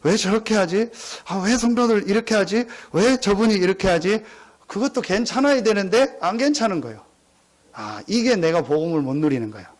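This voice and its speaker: A man's voice: high voice, lively intonation, brisk. A middle-aged man preaching a sermon as pastor, emphatic and repetitive, often calling out to the congregation. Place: church sanctuary.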